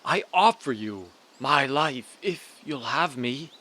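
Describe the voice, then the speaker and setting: Man playing a slow, solemn, lovelorn king. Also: medium pitch, lively intonation, bright, forceful tone, exaggerated voice. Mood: devoted. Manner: formal, drawn-out declarations. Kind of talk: comic fantasy audio drama acting.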